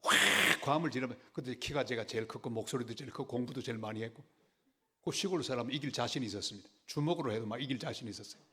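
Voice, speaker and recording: An older man delivers a sermon as a lively story. His pitch and volume jump sharply for emphasis, then drop back to a plain speaking tone. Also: racing, husky. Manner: animated storytelling, dramatic rises in pitch and volume. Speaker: pastor.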